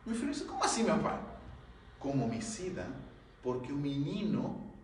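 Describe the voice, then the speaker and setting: A man giving a humorous spiritist talk, acting out his own gasps and shouts and laughing often as he tells the story. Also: a little high, huge pitch swings, moderate pace, slight background noise. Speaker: spiritist lecturer. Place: lecture hall. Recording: very echoey hall, mic at a distance.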